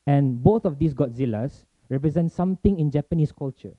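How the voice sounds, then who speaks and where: A young man from Malaysia, giving a chatty, informal forum talk in fast bursts. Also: on the high side, dry recording. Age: young adult. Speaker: forum speaker. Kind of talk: casual presentation to an audience. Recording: tinny phone-like sound, dry.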